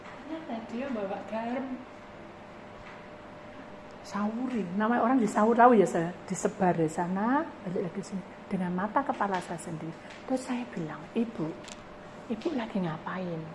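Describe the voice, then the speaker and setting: Woman pastor, lively storytelling sermon, noisy recording. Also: medium pitch, moderate pace. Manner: animated storytelling, acting out voices in dialogue. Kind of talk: sermon testimony.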